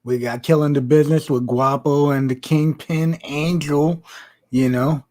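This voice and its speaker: Stuffy-nosed man co-hosting, higher voice. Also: unhurried. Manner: relaxed, swears freely. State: stuffy nose. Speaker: podcast co-host. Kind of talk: casual chat.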